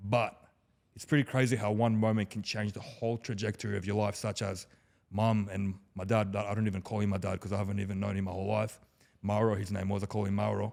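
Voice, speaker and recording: In an Australian accent, a man talks very fast at a fairly low pitch with monotone, flat intonation. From Australia (Sydney), raised partly in Greece. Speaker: entrepreneur and coach. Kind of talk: casual podcast interview.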